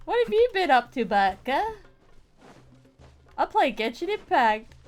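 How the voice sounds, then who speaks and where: A woman's voice: sits high, sing-song, unhurried, faint music behind. A woman chatting casually on a gaming livestream, playful and often repeating her phrases. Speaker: game streamer.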